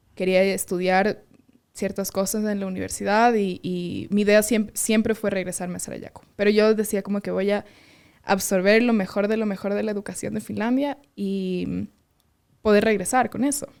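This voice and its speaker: A woman's medium-pitched voice at a moderate pace with fairly even intonation, in a very clean recording with a silent background. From Ecuadorian Amazon (Sarayaku), partly raised in Finland. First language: Kichwa and Swedish (speaking Spanish). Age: young. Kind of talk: podcast interview. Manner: halting, many fillers; crisp consonants.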